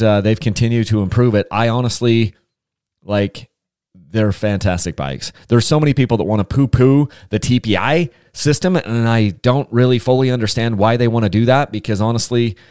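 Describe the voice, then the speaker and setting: A man's voice: fairly low pitch, darkish tone, smooth, no echo, studio quality. Chatty, rambling podcast host man. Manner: chatty, rambling, enthusiastic with restarts. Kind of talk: casual solo podcast.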